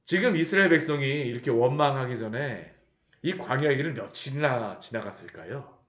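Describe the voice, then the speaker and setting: A man preaching a sermon as pastor, animated and asking the listeners rhetorical question after rhetorical question. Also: mid-range voice, a little fast, roomy sound. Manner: animated, acts out the people he describes. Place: church sanctuary.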